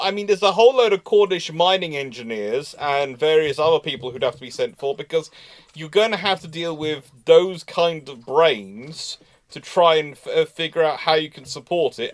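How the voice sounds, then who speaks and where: A man hosting a live question-and-answer talk on history, explaining things informally and discursively, often halting mid-thought. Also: fairly high pitch. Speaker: host of a live naval history show.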